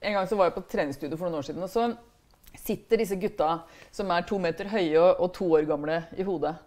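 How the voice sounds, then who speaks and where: Woman, middle-aged, author guest, casual chat, frank, tag questions, low-ish voice. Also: dark tone. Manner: chatty, frank, tags remarks with questions. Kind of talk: casual conversational interview.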